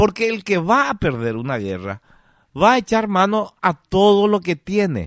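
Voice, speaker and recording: Against a quiet background, a man with a high pitch and very wide pitch swings talks at a fairly slow pace, the sound dry and close with no echo. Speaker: radio host. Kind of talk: radio call-in show.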